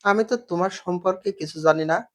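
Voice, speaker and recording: A quick-tempered young working woman who answers in sharp bursts and keeps her guard up, voiced by a man reading a storybook aloud in a slightly high voice. She sounds wary rather than soft.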